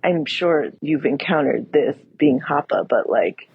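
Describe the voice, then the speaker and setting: Husky-voiced woman, chatty and laughing. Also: low voice, animated, measured pace, highs cut off. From United States. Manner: laughs often, chatty storytelling. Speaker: podcast guest. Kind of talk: casual chat.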